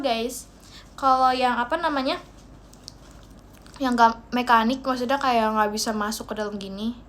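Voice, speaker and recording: A young woman from Indonesia chats playfully through a livestream, her voice high and light as she reads out viewer gifts. She drifts into English phrases mid-sentence. A faint hiss of background noise sits under her phone-mic sound. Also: fairly bright tone. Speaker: idol livestream host. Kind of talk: casual livestream chat.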